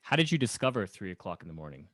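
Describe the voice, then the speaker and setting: A man's voice: low voice, big pitch swings, racing, fairly bright tone. A man co-hosting a podcast, asking questions in a rambling, informal, conversational way. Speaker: podcast co-host interviewer. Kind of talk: casual conversational interview.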